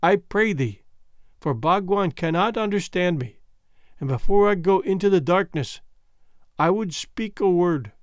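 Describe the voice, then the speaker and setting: A man voicing a soft, fading young woman. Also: sits high, animated, measured pace, no echo. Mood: tender, fading. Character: dying young woman, gentle and devoted.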